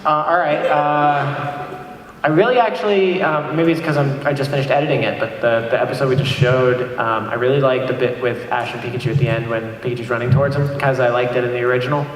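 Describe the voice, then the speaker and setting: A man's voice: mid-range voice, steady tone, brisk. A man chatting casually as a panelist at a convention. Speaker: panelist, video editor. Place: large convention panel room. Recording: distant echoey hall, clear background noise.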